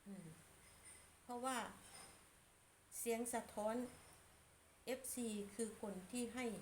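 A woman's voice: on the high side, darkish tone, slight background noise. A woman giving a blunt, scolding opinion monologue as a channel commentator.

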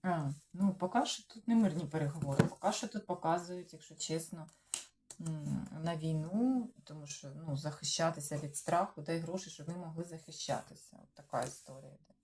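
A Ukrainian woman with a lowish voice reads tarot cards against the day's news, musing aloud and checking in with her audience. The recording carries steady background noise. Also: moderate pace. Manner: musing, talks to cards and viewers, trails off. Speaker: tarot reader. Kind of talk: tarot reading on current news. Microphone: clip-on or desk microphone.

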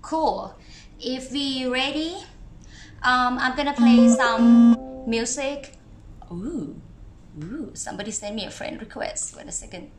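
A woman in her thirties, a yoga teacher, chatting casually and unhurriedly to her class on a live stream, with pauses. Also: sits high, echoey room, faint music behind. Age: 30s.

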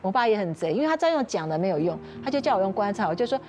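A woman with a Taiwanese Mandarin accent, a talk show guest who tells an animated story and laughs often. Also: mid-range voice, rapid-fire. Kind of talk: casual talk show chat. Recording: studio mix with music underneath. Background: background music.

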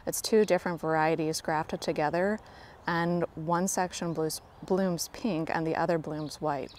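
Garden vlogger, woman, lowish voice, casual friendly walk-and-talk outdoors, faint birdsong behind. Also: steady tone, measured pace, darkish tone, a little hiss or hum. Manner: chatty and self-deprecating, talks to viewers as friends. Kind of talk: casual garden tour narration. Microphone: handheld phone camera, speaker off screen.

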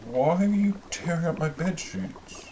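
A man's voice: a little high, a little slow, dark tone, slight background noise, close to an everyday voice, poor audio. An actor playing a flustered, weary man who stammers and answers with dry sarcasm.

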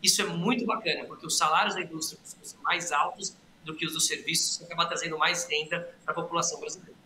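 A man in his forties talks fast on a video call, with a bright, lively voice and quick restarts. He sits in a room with blinds behind him, and his voice carries a clear roomy echo with a faint background hum. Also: on the high side. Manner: quick, energetic explanation with restarts. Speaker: economist interviewed as guest. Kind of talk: live remote news interview.

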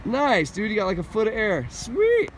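A man filming a casual vlog from a car and outdoors, talking excitedly with lots of "dude" and "like". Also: sits high, normal speed, a little hiss or hum. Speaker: vlogger. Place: in a car and outdoors at a ski resort.

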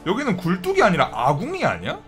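A man casually commenting on his gameplay as a streamer, chatty and breaking into loud excited outbursts and swearing. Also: sits high, quick pace, soft background music. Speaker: game streamer.

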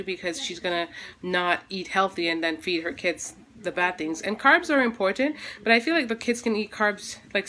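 A woman's voice: mid-range voice, a bit bright. A woman in her thirties chatting casually while cooking at home, filming herself on a phone at arm's length, with lots of fillers and rambling asides. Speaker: family vlogger. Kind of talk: casual cooking vlog chat. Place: home kitchen, indoors. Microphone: phone camera held at arm's length.

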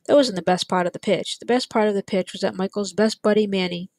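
A woman reading a chapter of a novel aloud, in steady, plain storytelling. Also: medium pitch, fast talker, no echo. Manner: steady, plain storytelling with light character voices. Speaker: audiobook reader. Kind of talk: read-aloud narration.

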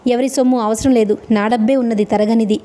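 A woman's voice: on the high side, steady tone, fairly quick, warm tone, close to an everyday voice. A woman voicing a grief-stricken middle-aged mother in a storybook reading, with a lamenting manner. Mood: defiant. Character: wailing middle-aged mother whose daughter is widowed.

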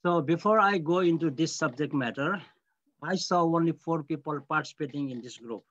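A man's voice: fairly high pitch, brisk, fairly bright tone. An older man giving an online guest lecture on language, spelling words out letter by letter and repeating key phrases. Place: home room, virtual background. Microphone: laptop video call. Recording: dull lo-fi video call.

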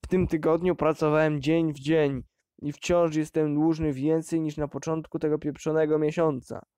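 A man voicing a drunk, bitter middle-aged miner who yells contemptuously at his son. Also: mid-range voice, steady tone, takes it slowly, clear, resonant tone, no echo. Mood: drunken rage. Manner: shouting, snarling, contemptuous.

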